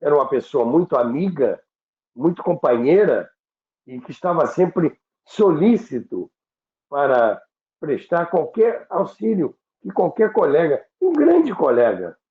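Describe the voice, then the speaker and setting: A man's voice: fairly high pitch, sing-song. Older Rio man, roomy phone-like sound. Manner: halting, repeats words, unhurried. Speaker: radio veteran and program host. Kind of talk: reminiscing conversation about radio history.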